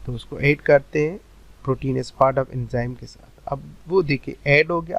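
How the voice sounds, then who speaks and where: A man teaching a biology lecture, mixing Hindi-with slowly read English textbook lines and answering his own questions. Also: fairly high pitch, vocal fry, dry recording, low-quality recording. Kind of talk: recorded lecture over animations.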